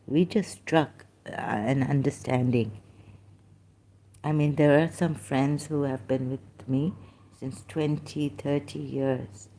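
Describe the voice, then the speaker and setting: Pakistani woman vlogger, low and warm, rambling, faint noise behind. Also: steady tone. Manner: rambling, halting, many fillers and restarts. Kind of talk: casual monologue, reading aloud at times.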